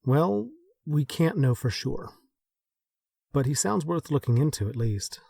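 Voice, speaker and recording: An actor playing a modest, self-doubting leader, hesitant and thoughtful, in naturalistic audio drama dialogue. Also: male voice, fairly high pitch, lively intonation, measured pace, vocal fry, warm tone, slightly rough, no echo, studio quality, full character voice. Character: modest, self-doubting man leading a small group.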